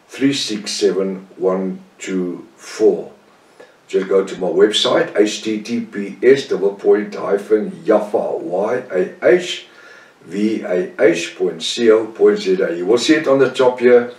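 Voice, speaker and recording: An older man from South Africa with an Afrikaans-tinged accent, leading a Bible study with slow, deliberate delivery, pausing on fillers and correcting himself. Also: fairly low pitch, a little mellow, roomy sound, recorded from a distance. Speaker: Bible teacher.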